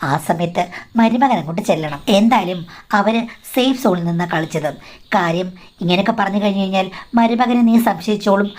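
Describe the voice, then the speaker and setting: A woman's voice: mid-range voice, brisk, natural voice. A woman voicing a defiant, scolding middle-aged mother-in-law in a spoken story. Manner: scolding, cutting.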